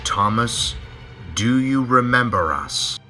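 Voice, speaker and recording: A man voicing a kind, very old male steam engine in a soft, earnest manner. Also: medium pitch, animated, slow pace, faint music behind, pitched above the performer's own voice. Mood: gentle.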